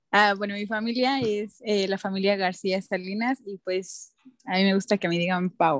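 An unremarkable speaking voice moves at a fairly slow pace. The intonation stays fairly even. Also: woman, medium pitch for a woman. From Mexico City. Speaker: fan. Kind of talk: fan question.

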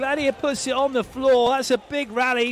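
A man talks in an extremely high pitch. Music plays in the background. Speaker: volleyball commentator. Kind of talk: live sports commentary. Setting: commentary booth. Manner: excitable.

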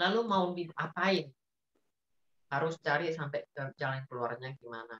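A woman's very deep, low voice with lively intonation, a fairly slow pace and long, frequent pauses over light background noise. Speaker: environmental foundation founder. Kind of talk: casual talk. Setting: video call. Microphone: video call.

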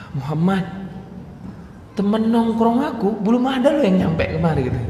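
With a Medan accent and lively intonation, a man speaks at a moderate pace and a high pitch, with audible room echo and light background noise. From Medan, North Sumatra. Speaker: Islamic preacher. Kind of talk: religious sermon to a mosque audience. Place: hall. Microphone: podium.

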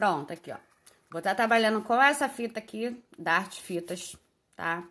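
A woman talks at a moderate pace and medium pitch. Her intonation is lively. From Brazil. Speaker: craft youtuber. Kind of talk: tutorial. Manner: animated. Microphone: phone near.

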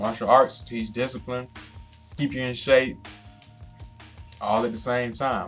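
A man at a moderate pace with faint music in the background. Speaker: health vlogger. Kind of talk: casual vlog chat. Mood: relaxed, opinionated. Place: home room. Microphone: webcam.

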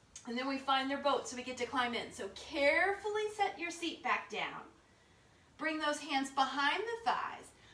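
In a calm, gentle tone, a woman speaks fairly slowly with very wide pitch swings, and room echo is audible. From US Maryland. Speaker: yoga instructor. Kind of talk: guided yoga class instruction, cueing movements and breath. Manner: calm, gentle, encouraging; slow, steady pace with friendly playful tone. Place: home room. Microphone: camera far.

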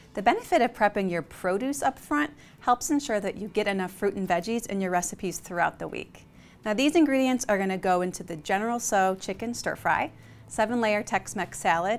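Ordinary pitch variation from a woman speaking at a fairly quick pace. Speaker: cooking show host. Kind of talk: tutorial. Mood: warm, upbeat. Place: kitchen. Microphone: lapel.

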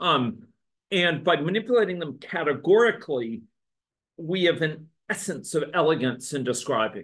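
A man's lively intonation at a moderate pace, against a quiet background. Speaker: lecturer. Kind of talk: lecture. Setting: university class with students. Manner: halting, filler-heavy. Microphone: video call.

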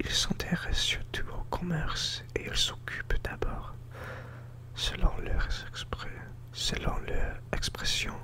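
Against noticeable background noise, a man whispers very slowly. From United States. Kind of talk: book reading. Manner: whispered.

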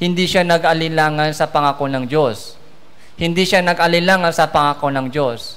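This man's voice sits fairly high, and his intonation stays fairly even. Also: moderate pace. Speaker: sermon preacher. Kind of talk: sermon. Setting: church. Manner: earnest, teacherly, repeats key phrases and leads congregation in reading aloud. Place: church.

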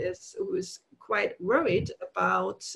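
There's light noise in the background. The voice belongs to a woman. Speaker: member of the European Parliament, webinar moderator. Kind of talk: webinar moderation. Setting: live-streamed video webinar. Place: office.

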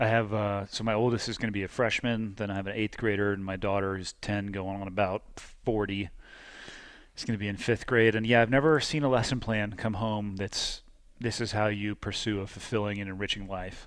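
Here is a man with an ordinary speaking voice, fairly low in pitch and fairly even in intonation. He goes at a fairly quick pace on a very clean recording with a silent background. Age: 40s. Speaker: podcast host, former military pilot and skydiver. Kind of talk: casual interview chat; read ad.

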